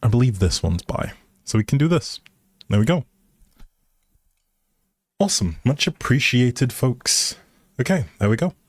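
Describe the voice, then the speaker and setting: A man with a deep, low voice talks through a game livestream. He is unhurried and easygoing, thinking aloud as he goes. The sound is close and dry, with very little room. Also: darkish tone, dry recording. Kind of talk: casual livestream commentary while playing a life simulation game.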